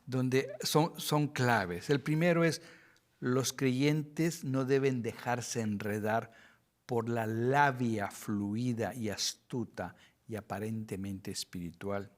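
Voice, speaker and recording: Earnest Mexican pastor teaching Scripture. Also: male voice, mid-range voice, fairly even intonation, takes it slowly. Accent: Mexican Spanish. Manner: earnest, with frequent restarts. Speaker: pastor teaching a Bible study. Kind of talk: Bible study teaching.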